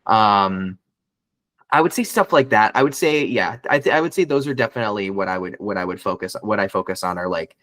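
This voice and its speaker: A man's voice: animated, fairly quick, fairly bright tone, no echo. A man who is a voice actor, talking casually in an interview, rambling with many restarts and fillers. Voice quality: some bass in the voice. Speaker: voice actor guest.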